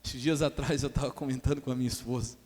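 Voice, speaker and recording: A man's voice: medium pitch, fairly even intonation, fast talker, a little mellow, long reverb tail. A man preaching a sermon as pastor in a church, emphatic, calling for amens and mimicking his congregation.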